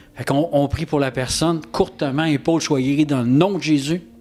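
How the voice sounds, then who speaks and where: Music plays in the background. A man speaks at a moderate pace with a fairly high pitch. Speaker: street pastor and evangelist, former soldier. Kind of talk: podcast interview, telling personal anecdotes.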